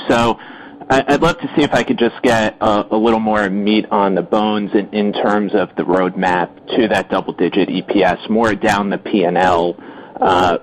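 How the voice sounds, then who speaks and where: A male analyst with a low-pitched voice puts questions on an earnings call. He is conversational and hesitant, easing his way into each question. A faint noise sits on the line. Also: low-quality recording. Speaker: financial analyst asking questions.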